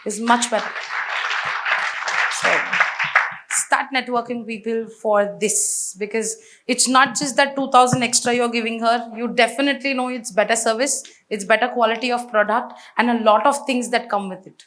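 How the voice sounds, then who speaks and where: A woman with an Indian English accent giving a lively seminar talk, asking the audience questions. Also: on the high side, normal speed. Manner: energetic, asks the audience questions. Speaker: business speaker.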